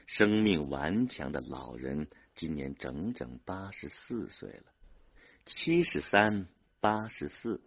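A man narrating a novel as an expressive audiobook reader. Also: deep voice, gravelly, slightly rough. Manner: expressive storyteller. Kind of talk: dramatic audiobook reading. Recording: dull lo-fi audio.

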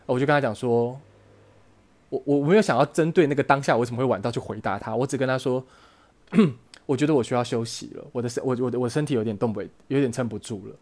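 A man's voice: medium pitch, darkish tone. A man hosting a podcast, telling a personal story in an earnest, emotional way and often restarting his phrases. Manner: earnest, emotional, halting with frequent self-restarts. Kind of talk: casual storytelling monologue.

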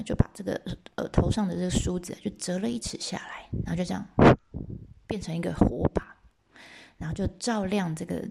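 A woman teaching a myth as a lively, chatty storytelling lesson with asides to listeners. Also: fairly low pitch, creaky, noisy background.

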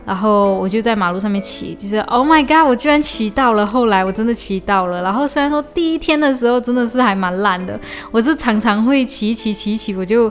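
A woman's voice: a little high, fast, few pauses. Young woman, casual podcast storytelling, restarts often, drops in English, faint music behind. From Malaysia. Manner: chatty, lots of restarts, mixes in English. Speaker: podcast host. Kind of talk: casual diary-style storytelling. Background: faint lo-fi beat.

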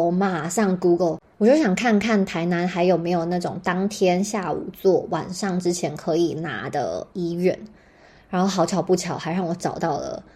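A young woman with a Taiwanese Mandarin accent tells a personal story on her podcast. Her voice is mellow and slightly husky. She talks in an animated, dramatic way and swears freely. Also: lowish voice. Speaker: podcast host.

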